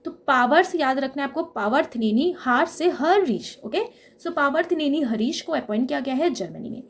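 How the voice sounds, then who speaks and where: A young woman with a high voice teaches an exam-prep lesson built on memory tricks. She explains each trick step by step, checks in often with the listener, and draws out key words to make them stick. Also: animated, moderate pace.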